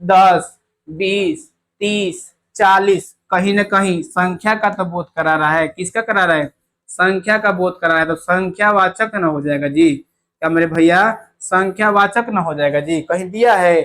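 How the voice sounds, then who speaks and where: A man's voice: high-pitched, measured pace, a bit bright. A young adult man teaching an exam-prep grammar lesson, chatty and repetitive, who quizzes his listeners with rhetorical questions and drags out sounds when he demonstrates them.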